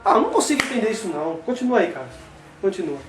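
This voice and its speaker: A Brazilian man with a high voice gives heated religious commentary, firing off rhetorical questions and exclamations at his "brothers." He sounds like he is in an echoey room, with faint music underneath. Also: big pitch swings, racing. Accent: Brazilian Portuguese.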